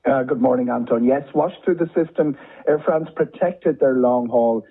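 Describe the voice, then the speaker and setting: A man's voice: medium pitch, normal speed, slightly rough, phone-quality sound. A man with an Irish accent, a travel journalist giving conversational, discursive commentary as a guest, often repeating words for emphasis.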